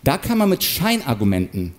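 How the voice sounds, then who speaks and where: A man delivering a stage talk with a lively, swinging melody, explaining ideas with animated energy. His pitch sits in an ordinary middle register. He now and then slips into short, playful quoted examples. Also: moderate pace. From Ukraine. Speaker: speaker on manipulation and rhetoric.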